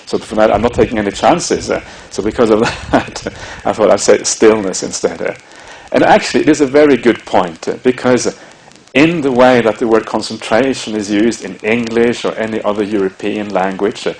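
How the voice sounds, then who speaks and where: A man with a Norwegian accent giving a measured, explanatory Buddhist dharma talk, with frequent hesitations. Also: lowish voice, darkish tone, poor audio. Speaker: Buddhist monk teacher.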